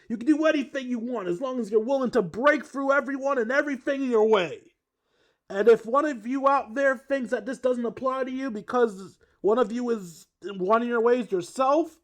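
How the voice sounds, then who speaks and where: A player voicing a gruff, pumped-up young surfer man giving a slangy pep talk in a game. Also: medium pitch, pitched above the performer's own voice, natural voice. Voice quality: gruff, hyped, shouty. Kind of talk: voice acting a game character.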